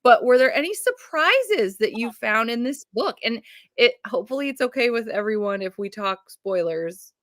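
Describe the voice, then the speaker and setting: A woman's voice: a little high, lively intonation, normal speed, a bit bright, no echo, clean studio sound. A woman hosting a casual book chat over a video call, upbeat and chatty, laughing often. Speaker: booktube host.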